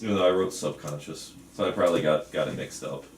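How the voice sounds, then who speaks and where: A man's voice: very deep voice, fast. A man talking casually as a screenwriter in a group script discussion. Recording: echoey room with background noise.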